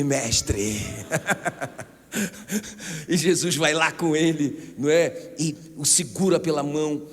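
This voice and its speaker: A Brazilian man preaching a sermon as pastor, animated and often calling out to the congregation. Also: fairly high pitch. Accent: Brazilian Portuguese. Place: church hall. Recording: long church hall reverb.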